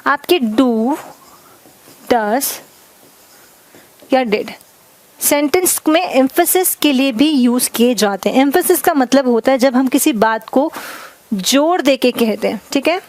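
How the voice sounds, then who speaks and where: Fairly high-voiced woman teaching grammar. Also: lively intonation, darkish tone. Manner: explains slowly with many checks of understanding; mixes Hindi and English. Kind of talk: classroom lesson.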